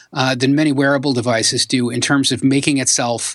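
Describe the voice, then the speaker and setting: A man with a plain, everyday voice at a fairly quick pace. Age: 40s. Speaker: tech journalist. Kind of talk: casual chat.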